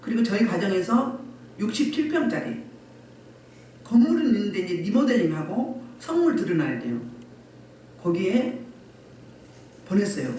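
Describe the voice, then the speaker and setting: A woman's voice: medium pitch, big pitch swings, moderate pace, pauses often, warm tone, slight background noise. A woman pastor preaching a Sunday sermon and pressing the congregation with repeated rhetorical questions. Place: church sanctuary. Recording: echoey room from far off.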